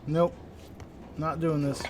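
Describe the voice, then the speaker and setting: In a slightly high, flat voice with a stuffy quality, a young man streams a game slowly and casually. He muses and makes wry remarks to chat while game music plays amid a noisy background.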